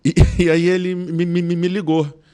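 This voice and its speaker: A man's voice: high-pitched, level tone, moderate pace, mellow, clear, resonant tone. A man guest on a podcast, telling personal stories casually with a stutter, repeating sounds and words, often laughing as he talks. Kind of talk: casual storytelling.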